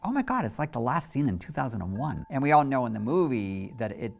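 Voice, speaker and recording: A man's voice: medium pitch, very animated, fast, vocal fry, a little mellow, slight background noise. A middle-aged male photographer narrating a documentary in a candid, reflective storytelling manner.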